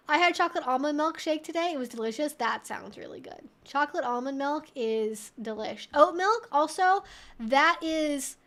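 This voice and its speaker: A young adult woman with a high-pitched voice hosts a casual livestream. She answers questions in an informal, chatty way, reasoning aloud as she goes. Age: 20s to 30s. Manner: chatty, informal, thinking out loud.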